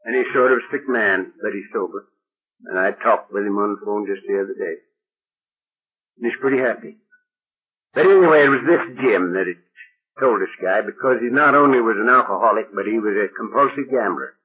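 Folksy older man, husky old recording. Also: fairly low pitch, fairly quick, narrow, tinny audio. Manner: folksy, plain-spoken, dramatic retelling. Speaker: recovery meeting speaker. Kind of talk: storytelling talk to an audience.

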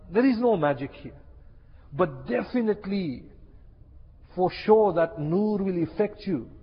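Impassioned high-voiced male preacher. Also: breathy edge. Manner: impassioned, repeats key phrases for emphasis. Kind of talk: sermon. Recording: echoey hall, dull lo-fi sound.

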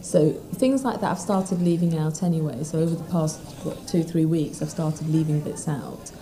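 A woman's voice: low-pitched, moderate pace, warm tone. A mother answering interview questions thoughtfully, with frequent ums and light laughs.

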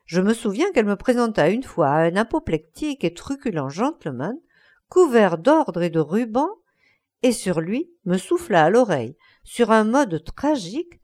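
A woman's voice: mid-range voice, a little mellow. A woman reading aloud voicing a sincere young painter, speaking thoughtfully and earnestly.

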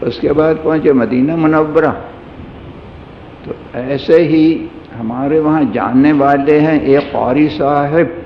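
A man's voice: on the high side, steady tone, a little hiss or hum. A man giving a sermon, telling a humorous personal anecdote in a storytelling manner. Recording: echoey hall, dull lo-fi sound.

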